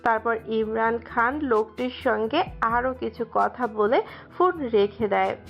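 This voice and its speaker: A woman narrating a dramatic story in a steady storytelling manner. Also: a little high, a little slow, highs cut off, faint music behind. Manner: steady storytelling, occasional slips.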